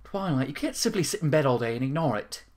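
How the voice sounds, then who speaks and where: A man's voice: a little high, big pitch swings, quick pace, a little mellow. A man voicing a genteel young female pony who coaxes fussily with endearments in a comic story. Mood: coaxing. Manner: fussy, coaxing endearments.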